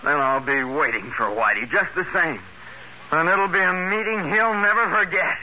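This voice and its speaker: A man's voice: on the high side, normal speed, close to an everyday voice. An actor playing a desperate, blackmailed young man in a 1940s radio crime drama. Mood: despairing, tense. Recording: dull, hissy 1940s radio recording.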